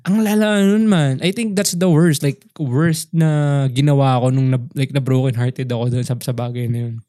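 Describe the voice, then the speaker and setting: A man's voice: medium pitch, normal speed, few pauses, mellow, no room sound, studio quality. A young man co-hosting a podcast, telling a story in casual chat, mixing English slang and saying "bro" constantly. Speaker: podcast co-host.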